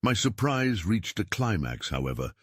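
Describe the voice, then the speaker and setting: A man reading a literary story as narrator, in a measured, formal storytelling manner. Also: lowish voice, very animated, dry recording, studio quality. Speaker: audiobook narrator.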